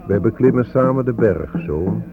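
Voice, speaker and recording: A man's voice: medium pitch, animated, moderate pace. An actor playing a stern, probing old Native American grandfather in a Dutch radio drama. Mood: commanding, solemn. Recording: phone-like old radio play, music clearly behind.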